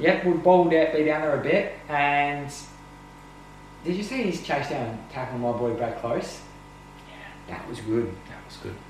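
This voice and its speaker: Amid noticeable background noise and audible room echo, a man with an Australian accent speaks at a fairly high pitch, with long, frequent pauses and big swings in loudness. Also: ordinary pitch variation, fairly slow pace. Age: 20s. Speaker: podcast host. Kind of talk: casual chat.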